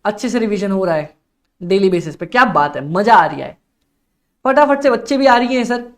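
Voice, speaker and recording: A young man teaching a live-streamed online exam class, energetic and coaxing, who keeps repeating phrases and reads chat comments aloud. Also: high-pitched, moderate pace. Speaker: accountancy exam tutor.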